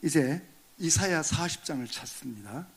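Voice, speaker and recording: A man's voice: a little high, expressive, moderate pace, creaky, breathy edge. A male pastor preaching a sermon in a church, reading scripture and acting out complaints to God. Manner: reads scripture aloud, acts out complaining believers in raised voice. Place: church sanctuary.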